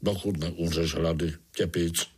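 Man doing a cranky earthworm, low grumbling voice, scornful, gloomy, storybook character. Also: fairly even intonation, a little mellow, husky. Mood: grumpy. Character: grumpy old male earthworm, sour and gloomy.

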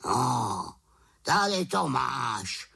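A woman voicing a bossy male raven in a storybook reading, croaking and scolding. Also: very deep voice, very animated, fairly bright tone, heavily acted. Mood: grumbling.

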